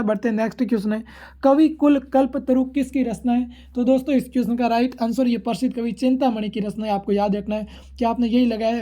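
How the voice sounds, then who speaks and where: A man's voice: very high voice, dark tone. A man teaching exam prep, going informally through questions and answers in a repetitive, formulaic way.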